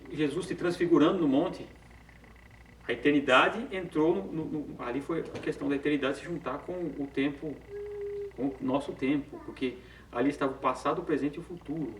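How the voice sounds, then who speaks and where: A man's voice: fairly high pitch, brisk. A man leading an informal Bible study, talking conversationally and often tagging on short questions. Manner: conversational, frequent tag questions, self-corrections. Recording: far from the mic in an echoey room with faint background noise.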